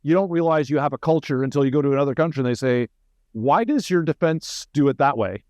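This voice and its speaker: Speaking fast with a fairly high, slightly mellow voice, this middle-aged Canadian man is a military guest in an interview. He explains conversationally, slipping in wry asides. The audio is dry with little room to it and no echo.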